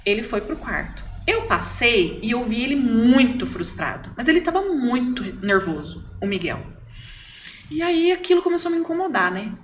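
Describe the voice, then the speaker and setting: A middle-aged woman, a podcast guest, telling a family story in a lively way and repeating words for emphasis. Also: on the high side, normal speed, soft background music. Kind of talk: casual storytelling.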